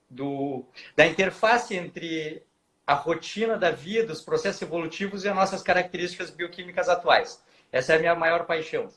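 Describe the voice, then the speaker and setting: A surgeon, speaking as a guest on a casual live-stream interview, explaining at length with frequent restarts. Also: male voice, sits high, a bit bright. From southern Brazil.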